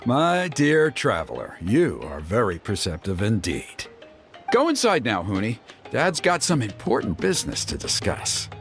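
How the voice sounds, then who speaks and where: A man playing a proud, middle-aged tribal elder and father in a video game, formal and blustering, halting when flustered. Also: on the low side, huge pitch swings, over music, full character voice. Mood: eager, courteous.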